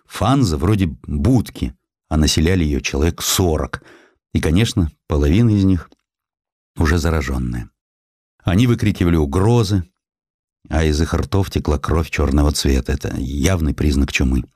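Low male audiobook voice, history story, solemn and expressive, super dry studio. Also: normal speed, no room sound. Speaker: audiobook narrator. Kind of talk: dramatic scripted narration of historical story.

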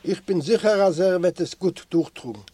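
A man voicing a steady male fellow prisoner who speaks calmly and reassuringly in an audiobook reading. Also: high voice, normal speed, slightly rough.

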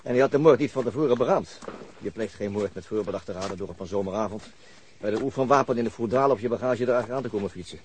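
An actor playing a matter-of-fact police detective in a radio drama, reasoning aloud in a deliberate way. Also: male voice, fairly low pitch, a little mellow, slight background noise, natural voice. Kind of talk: naturalistic radio drama acting.

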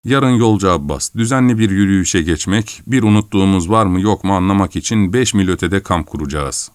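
Sarcastic wiry old-timer, boastful and needling, audiobook read by a man in a low, dry voice. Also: fairly quick, no echo, lightly acted. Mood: mocking. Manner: mocking, persuasive. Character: wiry graying male adventurer, sarcastic and boastful. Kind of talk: audiobook character voice.

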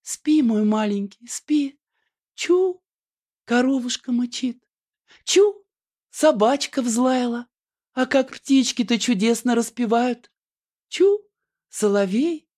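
A male reader voicing a young peasant woman in a village stage melodrama, shrill, sing-song and theatrically lamenting. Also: lively intonation, slow pace, pauses often, a little mellow, heavily acted. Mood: lulling.

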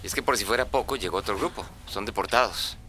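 A tired small-town man, in a radio drama. His voice is low yet very bright and sharp, and he sounds resigned and matter-of-fact. A faint hum sits underneath. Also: fast.

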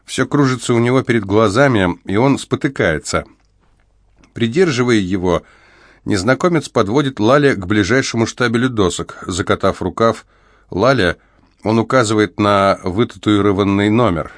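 A man reading an audiobook as narrator in a measured, grave way. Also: on the low side, no echo, clean studio sound. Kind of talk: scripted narration.

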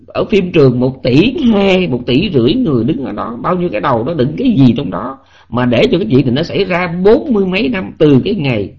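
A man's voice: on the high side, breathy edge. A man with a Southern Vietnamese accent giving a Buddhist dharma lecture, emphatic and scolding, firing off rhetorical questions. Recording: lo-fi online voice chat audio.

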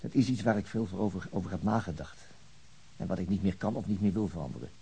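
An actor playing a weary, principled veteran policeman in a radio drama, brooding and halting as he searches for words. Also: low-pitched, gravelly, mellow, a little hiss or hum. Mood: weary, reflective. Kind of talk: naturalistic Dutch radio drama acting.

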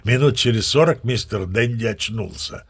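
An actor playing a seasoned old sea captain who narrates tall tales as a chatty, mock-dignified raconteur. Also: male voice, on the low side, moderate pace, loud music behind the voice, natural voice. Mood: chatty, wry. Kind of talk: dramatized storytelling narration.

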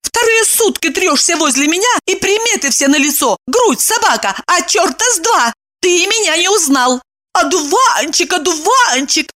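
A sharp-tongued, bossy young woman, as a woman reader puts her on, pitched up far above the narration and swooping widely. She sounds sarcastic and commanding, throwing out exclamations. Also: expressive, moderate pace, full character voice.

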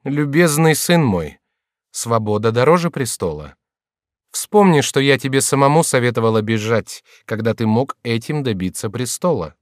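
A man voicing a calm, cold older woman, a queen mother, in a storybook reading. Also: mid-range voice, no room sound, studio quality, lightly acted. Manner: calm, cool, measured.

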